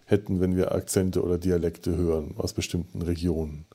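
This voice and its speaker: A man's voice: low-pitched, flat delivery, brisk, mellow, breathy edge. A man co-hosting a podcast, talking casually with many fillers and restarts. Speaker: podcast host.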